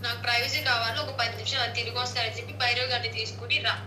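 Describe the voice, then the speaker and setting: A woman's voice: on the high side, flat delivery, racing, bright, forceful tone. A woman, pleading and insistent in an emotional private phone conversation. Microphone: phone call. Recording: echoey, noisy leaked phone call recording.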